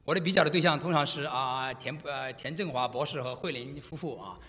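Man, middle-aged, preacher, sermon, short phrases with pauses, quick, bright tense voice, reverberant hall. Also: mid-range voice. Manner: speaks in short phrases, pausing for the interpreter. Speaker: guest preacher. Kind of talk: sermon in Mandarin with live interpretation. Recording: long reverb of a church hall.

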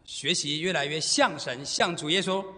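A middle-aged man preaching a sermon in short phrases, pausing for his interpreter. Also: fairly high pitch, bright, forceful tone. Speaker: guest preacher. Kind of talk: sermon in Mandarin with live interpretation. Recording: long reverb of a church hall.

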